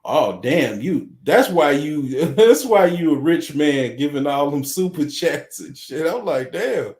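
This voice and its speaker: A man's voice: fairly high pitch, animated, measured pace, a little mellow, roomy sound. A man from the suburbs, hosting a casual livestream, rambling with constant "you know" fillers and frequent chuckles. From Chicago suburbs, Illinois. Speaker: livestream host. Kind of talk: casual livestream chat reading viewer comments.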